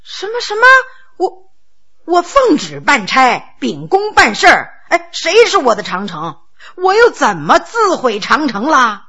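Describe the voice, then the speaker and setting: A woman's voice: sits high, huge pitch swings, unhurried, fairly bright tone, breathy edge, exaggerated voice. A woman storyteller voicing a Qing prince, a grown man who gives harsh orders and then stammers in confusion. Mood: flustered. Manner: commanding, then flustered and stammering. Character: Qing prince, middle-aged man, stern official turned bewildered.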